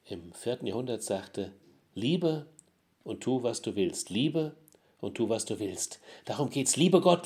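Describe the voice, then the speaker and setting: Male pastor, low husky voice, earnest sermon with swelling emphasis. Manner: earnest preaching with strong swells in loudness and pitch.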